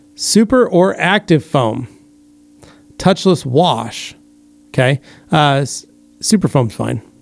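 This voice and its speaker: Backed by music, a man with an American accent speaks at a very slow pace with long, frequent pauses, a fairly high pitch and very wide pitch swings. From Boise, Idaho, US West. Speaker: car detailing livestream host. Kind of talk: livestream Q&A talk show. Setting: studio. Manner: relaxed, chatty.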